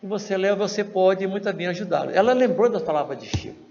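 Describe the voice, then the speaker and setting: A man's voice: fast talker, gravelly. A Brazilian man giving a spiritist lecture, telling a story and acting out the voices in it. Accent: Brazilian Portuguese. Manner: acts out quoted dialogue with lively shifts in pitch. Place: large lecture hall. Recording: lo-fi hall recording with faint noise.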